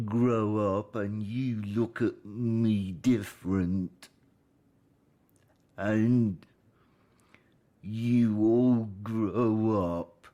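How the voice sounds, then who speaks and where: An actor playing an earnest, childlike uncle with learning disabilities, speaking haltingly in a radio play. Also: male voice, on the low side, dark tone, highs cut off. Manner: slow, halting, simple repetitive phrasing.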